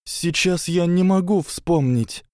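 A man voicing a young schoolgirl witch who speaks hoarsely and with determination. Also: high-pitched, takes it slowly, a little mellow, no room sound, studio quality, voice pushed up. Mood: tense, determined.

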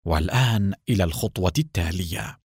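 Man reading a calm police captain. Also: sits low, slightly rough, no room sound, clean studio sound, voice pushed down. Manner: quiet and measured. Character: calm male police captain, team leader.

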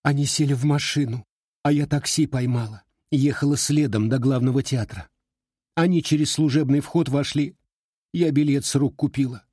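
A man's voice: mid-range voice, steady tone, normal speed, a little mellow, no echo, studio quality, pitched above the performer's own voice, natural voice. A man voicing a tearful, heartbroken young woman who speaks in a whiny, pleading way while crying. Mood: despairing.

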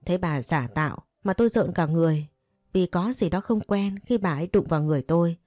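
Low, mellow woman narrating a story. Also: fairly quick, dry recording, studio quality. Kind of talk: scripted first-person story narration. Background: faint music.

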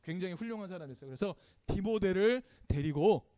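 A man's voice: high-pitched, lively intonation, fast talker, dark tone. A man giving a children's sermon in church, telling the story simply and asking the congregation questions as he goes. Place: church service.

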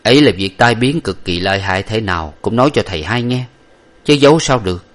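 A man's voice: fairly low pitch, expressive, fast, close to an everyday voice. A man voicing a serious male companion who speaks earnestly.

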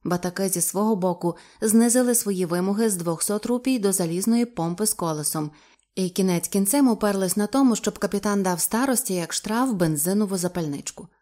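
A woman reads a classic novel aloud with steady, measured storytelling. Her voice sits at a middle pitch. Her pace stays calm and deliberate. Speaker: audiobook reader. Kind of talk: literary audiobook narration.

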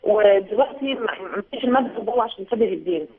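A woman with an Egyptian accent calling in, hesitant and halting but urgent. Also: mid-range voice, lively intonation. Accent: Egyptian Arabic. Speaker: caller. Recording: narrow phone line.

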